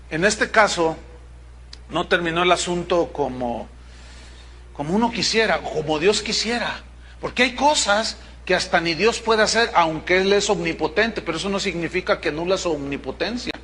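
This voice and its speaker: A man's voice: high-pitched, normal speed, a bit bright, slight background noise. A middle-aged man preaching a sermon as pastor, emphatic and stopping to check that his listeners follow. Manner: emphatic, with rhetorical check-ins to the congregation.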